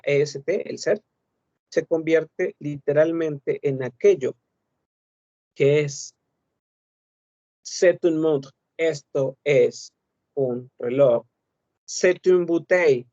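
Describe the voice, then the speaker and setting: A man with a slightly higher, gravelly voice teaches a French class, explaining step by step and correcting himself as he goes. He asks his students rhetorical questions. The sound is dry and a little dull, like a basic computer microphone. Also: a little mellow, no room sound. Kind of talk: online language class.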